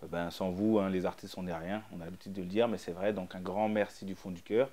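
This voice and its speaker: A middle-aged man, a DJ guest, answering interview questions in a joking, blunt way, with many fillers and pauses. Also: sits low, fairly even intonation, mellow. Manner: jokey, blunt, hesitant with fillers. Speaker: DJ and producer guest.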